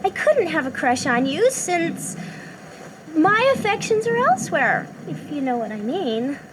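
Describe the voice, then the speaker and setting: A teasing, playful young woman in an audio drama. Her voice is high and bounces around a lot in pitch. Clear ambient noise runs under her lines. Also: sing-song, a little slow.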